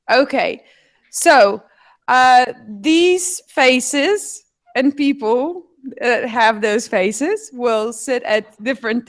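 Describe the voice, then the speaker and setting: A woman organizing a workshop, slowly announcing the discussion tables to a room. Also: high voice.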